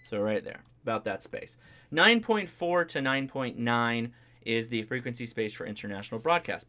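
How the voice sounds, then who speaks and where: A ham radio livestream host talks through a casual, hands-on demonstration in a medium-pitched voice that's bright and forceful. His manner is informal, chatty and explanatory, and he checks in with "right?" and "okay?" as he covers each step.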